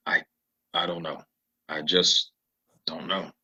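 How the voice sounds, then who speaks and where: An actor playing a troubled, polite war veteran in a Western audio drama, speaking in an earnest, halting way. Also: male voice, low voice, little pitch movement, pushed and bright, slightly rough, exaggerated voice. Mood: troubled, grim. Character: troubled, soft-spoken male stranger, war veteran in Western town.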